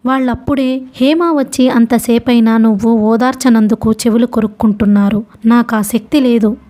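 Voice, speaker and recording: A woman's voice: a little high, steady tone, moderate pace, dark tone, lightly acted. A woman reading the part of a grief-stricken father who pleads and falters. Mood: pleading.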